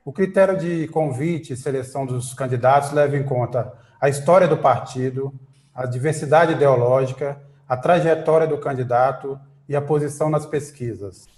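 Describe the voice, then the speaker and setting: A man's voice: mid-range voice, normal speed, a little mellow. Brazilian male interviewer, echoey room. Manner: scripted intro, then hesitant questions with fillers. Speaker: interview host. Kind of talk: political interview.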